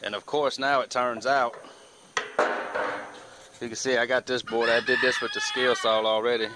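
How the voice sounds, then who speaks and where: Outdoors amid air-conditioning noise and traffic hum, a hobby welder and woodworker rambles casually about his own woodworking project, plainspoken and self-deprecating. His mid-range voice swings hugely in pitch at a measured pace.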